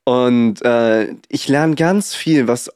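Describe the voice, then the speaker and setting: Young male co-host, relaxed and plain-spoken, dry close-mic sound. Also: mid-range voice, takes it slowly, clear, resonant tone, no room sound. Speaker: podcast co-host. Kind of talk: casual chat.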